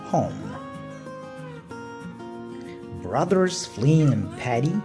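A woman reading a children's story aloud with deliberate, expressive and dramatic phrasing. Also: deep voice. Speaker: storybook reader.

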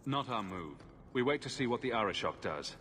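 A man's voice: mid-range voice, expressive, fairly quick, fairly bright tone, a little hiss or hum, natural voice. A man, an actor playing a composed, blunt adventurer in a fantasy game, asking direct, probing questions. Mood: firm, questioning. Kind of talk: game dialogue acting.

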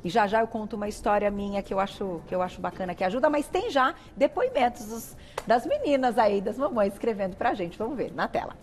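A middle-aged woman with a Brazilian accent, hosting a TV talk show and telling personal stories in a warm, chatty way. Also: mid-range voice, very animated, fast talker, few pauses. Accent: Brazilian Portuguese. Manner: warm, chatty, emotional storytelling. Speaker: TV show host.

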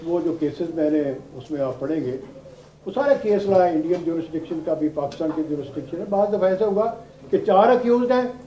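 Speaking in a fairly high, warm voice, an older man with a Pakistani accent gives a law lecture as a retired judge turned lecturer. He builds his explanation step by step, repeats himself and uses English legal terms. Background noise runs through the roomy, dull classroom recording.

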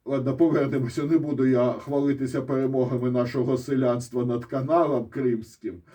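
Man, Ukrainian accent, casual solo commentary, sarcastic and blunt, swears, mellow tone. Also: mid-range voice, fairly even intonation, a little fast. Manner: restarts and pointing asides. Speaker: military-political commentator.

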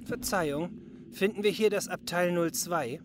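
A man's voice: sits high, normal speed, noisy background, natural voice. An actor playing a kindly, courteous middle-aged family man in a crime audio drama, hesitant in manner. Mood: polite. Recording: clear ambience behind the voice.

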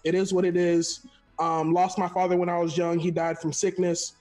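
A young man from Florida, a guest telling stories in an animated, rambling way over a headset from his living room. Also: high-pitched, normal speed, soft background music. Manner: animated, laughs often, rambling storyteller. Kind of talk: casual video call chat.

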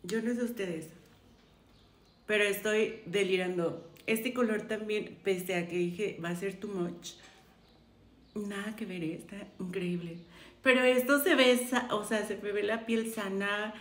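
A woman's voice: mid-range voice, fairly even intonation, unhurried. A woman, chatting effusively to viewers while trying on makeup. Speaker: beauty vlogger. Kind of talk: casual makeup try-on chat. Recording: roomy echo, faint room noise.

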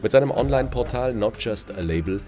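A man reading a scripted documentary voice-over in an even, measured way. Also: mid-range voice. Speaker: narrator. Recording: voice-over with loud music behind.

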